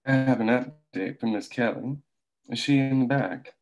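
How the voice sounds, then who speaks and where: A man's voice: mid-range voice, normal speed, a little mellow, lightly acted. A man voicing a cool, formal male company man at a table read. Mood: cold.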